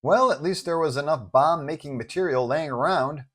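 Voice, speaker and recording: A confident female police chief, played by a man in a superhero audio story. She talks briskly, dismissing worries and teasing with affection. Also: a little high, fairly bright tone. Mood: dismissive.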